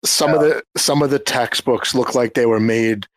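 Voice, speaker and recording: Halting man from New York, dry sound. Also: medium pitch, dry recording. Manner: halting, searching for words, frequent restarts. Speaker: guest, former English teacher. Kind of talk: casual group chat.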